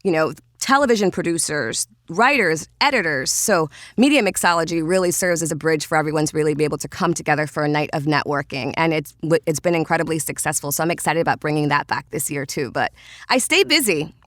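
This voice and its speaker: A woman with a Trinidadian accent, chatting as a voiceover guest in an animated way, often restarting her sentences. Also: low-pitched, no echo, studio quality. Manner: animated, quick, with frequent restarts and fillers. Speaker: voiceover artist and podcast guest. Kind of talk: casual interview talk.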